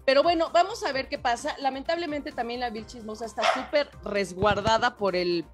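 A woman's voice: a little high, brisk, over music. A woman with a Mexican accent co-hosting a casual talk show, gossiping in slang and calling her listeners brothers. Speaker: co-host. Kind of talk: casual political gossip chat.

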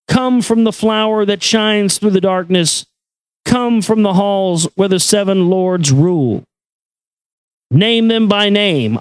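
Man, high voice, solemn incantatory recitation, unhurried pace, dry close sound. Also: no echo. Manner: incantatory, measured, deliberate. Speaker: reader and commentator. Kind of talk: solemn recitation of an esoteric text with brief asides.

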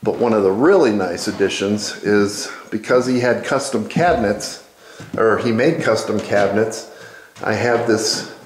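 A man hosting an informal walk-through of his shop, casual and a little halting as he thinks aloud. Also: on the low side, a little hiss or hum. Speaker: woodworking video host. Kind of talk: informal narrated shop tour. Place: indoor wood workshop. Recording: echoey workshop room.

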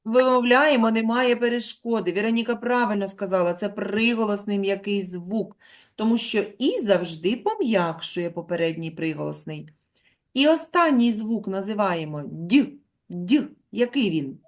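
Lively woman teacher guiding children. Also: mid-range voice. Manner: patient, drawn-out dictation to young children. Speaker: primary school teacher. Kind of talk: classroom lesson.

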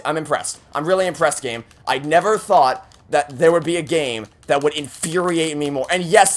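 A man's voice: on the high side, fairly bright tone. A man giving casual gaming commentary in an exasperated, sweary way, repeating words anxiously. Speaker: video game streamer.

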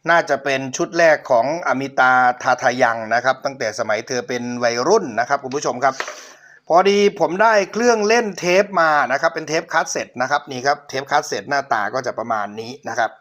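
This middle-aged channel host sounds animated, mid-range, fairly bright, and a bit fast. In a casual demo, he politely presents an old cassette player he has for sale, addressing his viewers repeatedly.

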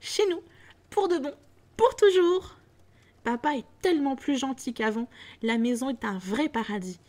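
A woman voicing an overjoyed little girl, speaking high and excitedly in a storybook reading. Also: moderate pace, close to an everyday voice. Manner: high bright excited speech. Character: joyful little girl, eager sister.

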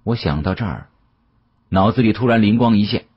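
A man narrating an audiobook as a dramatic storyteller, with an expressive, conversational delivery. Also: fairly low pitch, fairly quick, slightly rough, muffled recording.

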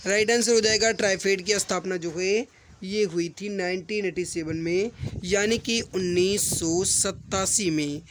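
A man teaching an exam-prep mock test online, reading out questions and answers briskly and addressing viewers as friends, often repeating himself. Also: high voice. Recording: rattling wind noise in the background. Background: wind noise from a storm outside.

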